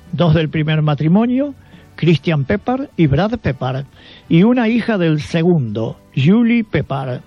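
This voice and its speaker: A man's voice: a little high, dry recording. A man with an Argentine accent reading a scripted biographical narration as a radio show host. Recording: dull lo-fi sound with background music. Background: music.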